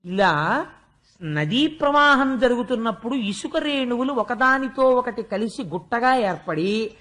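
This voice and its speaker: A man's voice: very high-pitched, animated, a little slow, fairly bright tone. A man giving a devotional scripture discourse, telling the story at length and chanting verses in a sing-song lilt. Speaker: spiritual discourse speaker.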